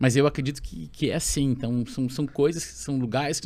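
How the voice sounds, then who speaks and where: A man at a very fast pace and medium pitch, with vocal fry, on a very clean recording with a silent background. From southern Brazil, Rio Grande do Sul (Porto Alegre, family from Bagé). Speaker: pastor. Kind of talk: podcast interview.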